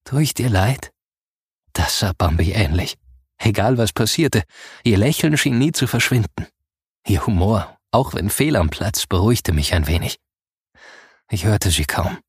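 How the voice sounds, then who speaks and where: A man narrating a first-person audiobook in a soft, grave storytelling manner. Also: on the low side, expressive, measured pace, husky, no echo, clean studio sound.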